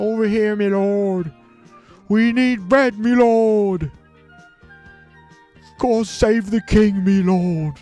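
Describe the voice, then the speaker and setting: Over faint background music, a man in a put-on character voice speaks at a high pitch and a very slow pace, with long, frequent pauses. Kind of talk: archaic, humble address to a lord. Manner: servile, deferential.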